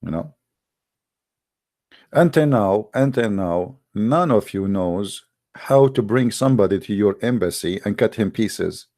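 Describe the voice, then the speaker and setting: Deep-voiced, gravelly Arab-accented man hosting. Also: expressive, unhurried, darkish tone. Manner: joking, sarcastic, teasing. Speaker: host of a live debate broadcast. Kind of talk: casual rambling live-stream talk.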